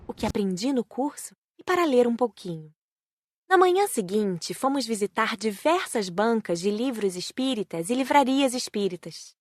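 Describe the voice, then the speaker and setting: A woman's voice: fairly high pitch, background noise. A woman reading a first-person audiobook story. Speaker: audiobook narrator. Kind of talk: scripted first-person narration.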